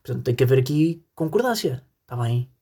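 Podcast host: husky, rambling, jokey solo bit aimed at the listeners. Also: mid-range voice, expressive, brisk, mellow. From northern Portugal. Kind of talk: solo comedic podcast monologue.

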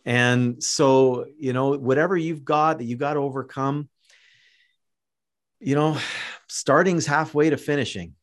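Rambling Canadian podcast host, lots of restarts. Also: male voice, mid-range voice, fairly even intonation, measured pace. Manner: rambling, many restarts and fillers, encouraging. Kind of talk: casual interview chat.

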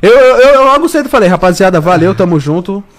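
Laughing high-voiced São man. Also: lively intonation, fast, crowd noise. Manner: laughing, exclaiming. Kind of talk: casual storytelling chat.

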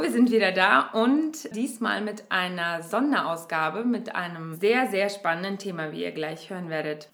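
A woman's voice: medium pitch, fairly bright tone, roomy sound. A woman hosting a German podcast with chatty enthusiasm. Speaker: podcast host. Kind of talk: casual podcast chat.

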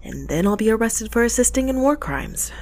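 A woman's voice: a little high, big pitch swings, a little fast, darkish tone. A woman playing a frazzled, wry, stubborn space courier who narrates their own story conversationally in an audio drama. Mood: panicked, exasperated. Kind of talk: audio drama acting and first-person narration.

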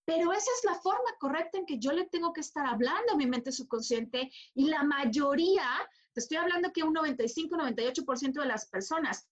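A woman's voice: high-pitched, animated, fast talker, lo-fi sound. A woman giving a motivational coaching talk, emphatic and repeating phrases for stress.

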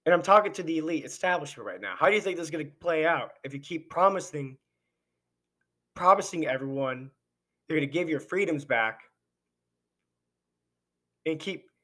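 A man's voice: a little high, fairly bright tone. A man hosting a podcast, giving an impassioned political monologue full of rhetorical questions while he is losing his voice. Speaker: podcast host. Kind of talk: opinionated political commentary monologue.

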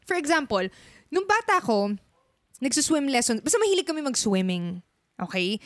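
A woman's voice: high voice, sing-song, moderate pace, a bit bright, no echo, clean studio sound. A young woman with a Filipino accent, telling a story in casual chat and mixing in English words.

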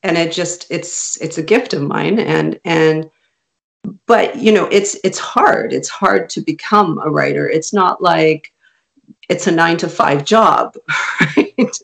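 A woman's voice: low voice, takes it slowly, creaky, fairly bright tone. A middle-aged woman author from Canada, a native Hungarian speaker, chatting in an interview and laughing often. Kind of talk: casual interview chat.

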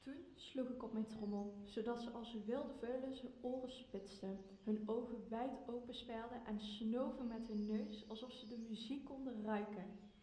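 An obedient, mischievous spirit, played by a woman in a radio drama. The voice is soft-edged and a little high, ringing in a roomy echo. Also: fairly even intonation, moderate pace, natural voice. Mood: mischievous, dutiful. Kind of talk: radio play acting of Shakespeare. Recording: roomy, echoing recording.

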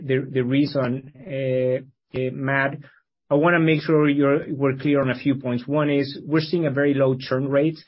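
A man speaking as a company executive, explaining figures in answer to a question on an earnings call. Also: medium pitch. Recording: slightly dull video call audio.

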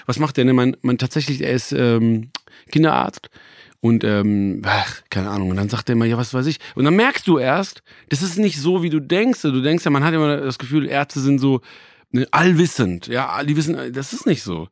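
A man's voice: mid-range voice, animated, normal speed, dry recording, clean studio sound. A man in his thirties chatting casually, rambling with many fillers, restarts and joking asides. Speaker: hip-hop journalist. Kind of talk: casual chat.

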